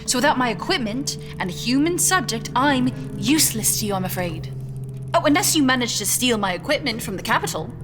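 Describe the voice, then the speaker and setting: An actress playing a proud, skeptical scientist in a science fiction audio drama, dry and exasperated in manner. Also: female voice, a little high, expressive, brisk, music in the background, natural voice. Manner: dry, exasperated, matter-of-fact.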